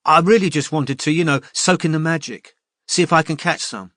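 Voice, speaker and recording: A man voicing an eager young woman who gushes brightly. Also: low voice, brisk, dry recording, clean studio sound, pitched above the performer's own voice. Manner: eager, beaming. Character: eager, gushing young blue-haired woman.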